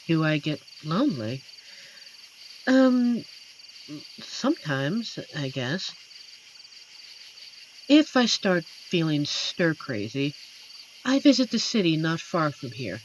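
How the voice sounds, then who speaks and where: A performer voicing an amiable, shy werewolf forest protector in a roleplay audio drama, speaking gently and hesitantly with earnest pauses. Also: medium pitch, very animated. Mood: shy, wry. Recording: noisy track with night cricket ambience. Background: crickets and night forest insect ambience.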